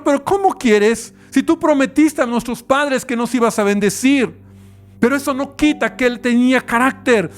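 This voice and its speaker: A man with a Mexican Spanish accent, a pastor preaching a sermon and asking the listener questions as he goes. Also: extremely high pitch.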